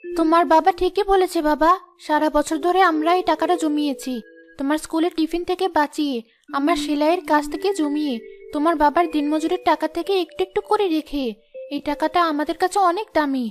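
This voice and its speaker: A woman's voice: high-pitched, steady tone, a little fast, soft background music, natural voice. An actress playing a devoted, thrifty poor mother in a cartoon, speaking tenderly and patiently. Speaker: seamstress mother. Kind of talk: cartoon voice acting.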